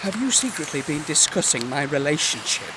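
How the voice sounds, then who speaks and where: An actor voices a pompous, easily wounded gay husband in an audio sitcom. His pitch leaps dramatically through every arch phrase, over clear rain-like noise. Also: sing-song, brisk. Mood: indignant. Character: prissy, wounded, theatrical married gay man. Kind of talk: comedy audio drama dialogue. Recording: clearly noisy, rain-like background.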